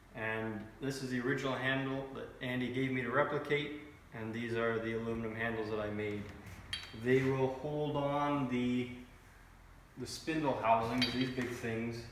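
Over light background noise and audible room echo, a man talks at a moderate pace in a monotone, flat intonation. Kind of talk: informal tour explanation. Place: workshop. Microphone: camera far.

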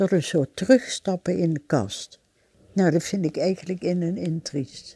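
Very slow and somewhat breathy, a woman speaks at a fairly low pitch in a dark, mellow tone, with a dry sound and no echo. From Leiden, Netherlands. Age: 80s+. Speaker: LGBT senior advocate. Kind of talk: interview answer. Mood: reflective, personal storytelling. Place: garden. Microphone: lapel.

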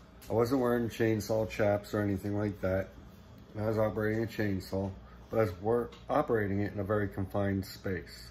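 A man with a fairly low, somewhat breathy voice speaks at a moderate pace with ordinary pitch variation over light background noise. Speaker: vlogger. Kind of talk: casual vlog chat. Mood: apologetic, reflective. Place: home room. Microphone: phone near.

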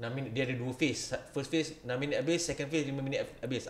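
Amid audible room echo, a man talks at a very fast pace with a fairly high pitch and fairly even intonation. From Malaysia, Kuala Lumpur; Malaysia. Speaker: podcast host. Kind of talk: casual chat. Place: studio.

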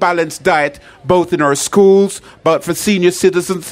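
Pitch variation is ordinary. The pace is moderate. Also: man. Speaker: speaker. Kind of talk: public speech rant. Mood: indignant, earnest. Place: open country.

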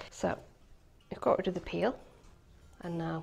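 Vocal fry runs through speech at a moderate pace over light background noise. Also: woman. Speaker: presenter. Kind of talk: tutorial. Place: kitchen.

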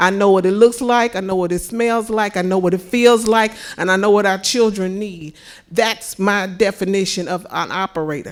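At a moderate pace, a woman with medium pitch and fairly even intonation speaks in a plain, everyday voice. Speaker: community development worker, public commenter. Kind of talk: public comment at board meeting. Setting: public board meeting.

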